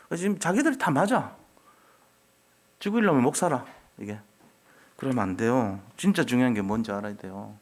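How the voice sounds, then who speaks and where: A man preaching a sermon as pastor, asking rhetorical questions and acting out the voices of churchgoers he quotes. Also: mid-range voice. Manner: animated, acts out quoted voices of churchgoers and children; scolding then softening, rhetorical questions. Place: church sanctuary.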